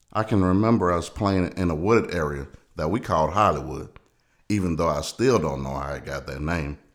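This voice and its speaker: A man with a very deep, low voice and vocal fry talks at a fairly quick pace with lively intonation. The recording is very clean, with a silent background. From Louisiana, Assumption Parish. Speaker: podcast host. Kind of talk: scripted monologue.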